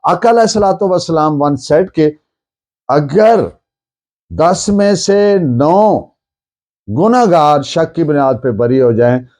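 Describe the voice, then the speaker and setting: A man with a Pakistani accent teaches law in a soft, mellow voice that sits slightly high for a man. He explains step by step, asking questions and then answering them. He shifts into careful English for legal phrases. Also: expressive. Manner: switches to slow, deliberate English for legal phrases. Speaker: law lecturer. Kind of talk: explanatory law lecture with worked examples.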